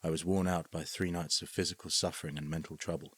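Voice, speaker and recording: A man reading a horror story aloud as scripted narration, measured and sometimes sinking to a hush. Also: deep voice, fairly even intonation, slightly rough. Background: faint music.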